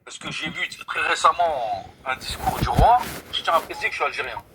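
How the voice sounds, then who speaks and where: A man's voice: on the high side, lively intonation, fairly quick, background noise. A young man from France calling in to a live stream, speaking earnestly and emphatically and swearing by God to stress his points. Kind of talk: casual debate call.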